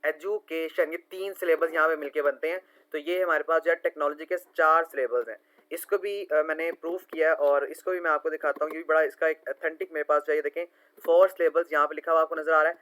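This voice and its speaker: A male tutor walks through quiz answers in a screen-recorded lesson. His voice sits a little higher than most men's. He explains patiently, slows right down to spell words letter by letter, and speaks close to a desk mic. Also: bright, forceful tone, low-quality recording.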